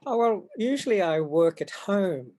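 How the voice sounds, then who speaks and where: A man in his seventies from Far North Queensland with an Australian accent, telling stories from his life in a hesitant, halting way over a video call from home. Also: high voice, expressive, a little mellow. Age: 70s. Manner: hesitant, halting, with frequent ums and restarts. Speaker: guest artist. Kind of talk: reflective storytelling in an interview.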